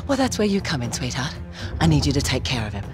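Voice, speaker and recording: A bold female adventurer in her thirties for a cinematic game. Her delivery is animated and sardonic, full of teasing confidence. A clear musical score runs behind her. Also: extremely low pitch, fast. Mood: bold, flirtatious. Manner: sardonic, teasing, self-assured. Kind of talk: cinematic video game dialogue. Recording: game soundtrack music underneath.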